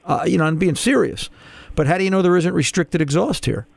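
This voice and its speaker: A man's voice: high voice, brisk, creaky, dry recording. A man hosting a call-in radio car show, chatty and explaining patiently, with frequent restarts.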